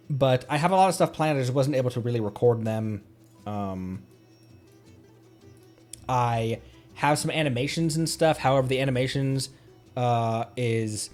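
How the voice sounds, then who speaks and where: A man's voice: mid-range voice, a little mellow. A man chatting casually on a livestream during gameplay, easygoing and rambling as he corrects himself. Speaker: livestreamer, VTuber. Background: faint game music.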